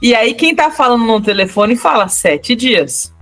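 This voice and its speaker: A young woman with a Brazilian Portuguese accent, co-hosting a podcast and telling a story in a casual, animated way with frequent laughter. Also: on the high side, a little fast, soft background music. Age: young adult. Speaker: podcast co-host.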